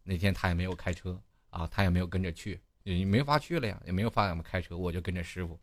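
A man hosting a studio show, telling a comic anecdote in an animated way and laughing at his own story. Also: sits low, quick pace, dry recording.

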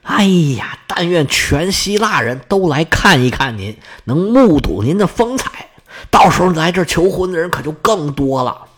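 A man's voice: fairly high pitch, breathy edge. A man doing a gushing, fawning suitor chief. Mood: flattering. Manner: gushing, drawn-out flattery. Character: fawning male suitor leader, flattering and pushy.

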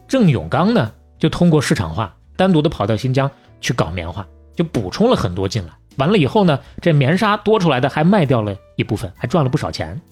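A man with a Beijing accent and a husky voice narrates like a podcast host chatting with a friend. His pitch swings in an animated way, and his delivery is colloquial and folksy. Faint music plays behind him. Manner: colloquial and folksy, with proverbs and acted-out asides. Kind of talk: lively conversational storytelling.

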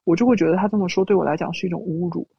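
A woman recounts a personal story as an interview guest, often quoting what she said. Her voice runs through a voice changer and sounds gravelly and husky. The audio is dry and dull, with a lo-fi feel. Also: on the low side, racing, mellow, dry recording. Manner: recounts events, quoting her own words.

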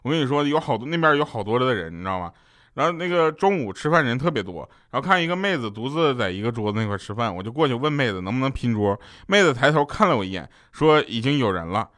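Young guy doing a standup set, bright voice, pitch jumps around a lot, keeps asking the crowd "you know?". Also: animated, quick pace, no echo, studio quality. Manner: chatty storytelling with asides to the audience. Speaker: stand-up comedian.

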